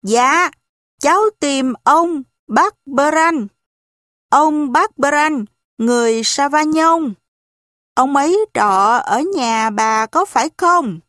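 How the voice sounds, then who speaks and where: A woman's voice: high voice, slow pace, fairly bright tone, dry recording, clean studio sound, pitched above the performer's own voice. A woman voicing a pleading young boy. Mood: anxious. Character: anxious young boy searching for his family. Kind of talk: audiobook character voice.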